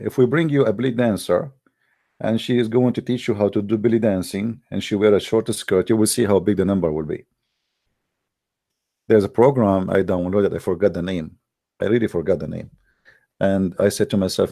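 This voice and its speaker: Deep-voiced, gravelly Arab-accented man hosting. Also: dark tone. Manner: joking, sarcastic, teasing. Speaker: host of a live debate broadcast. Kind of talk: casual rambling live-stream talk.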